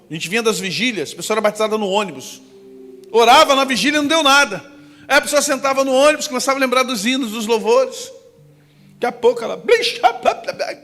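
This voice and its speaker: A man preaching a Pentecostal sermon with a Brazilian Portuguese accent, emphatic, swinging from soft asides to shouting. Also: high voice. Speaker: pastor. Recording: long reverb with faint music.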